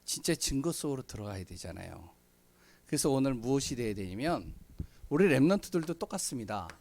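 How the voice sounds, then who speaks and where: A middle-aged man preaching a sermon in a church, speaking conversationally with many fillers and frequent throat clearing. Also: mid-range voice, sing-song, fairly quick, darkish tone. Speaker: pastor. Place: church sanctuary.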